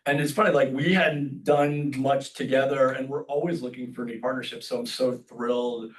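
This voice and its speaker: A man's voice: medium pitch, fairly even intonation, normal speed, far from the mic, low-quality recording. A man hosting a roundtable, giving loose, conversational welcoming remarks with many fillers. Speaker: host and executive director. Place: meeting room around a table.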